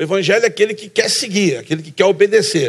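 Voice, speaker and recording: With a Carioca accent, a man speaks at a fairly quick pace in an animated tone with lively intonation. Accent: carioca Brazilian Portuguese. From Rio de Janeiro, Brazil (Bangu). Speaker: missionary and social project director. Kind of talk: church talk.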